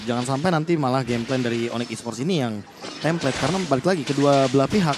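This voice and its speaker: A man's voice: mid-range voice, fast. A man with an Indonesian accent giving live esports commentary and analysis as a caster. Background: music under the commentary.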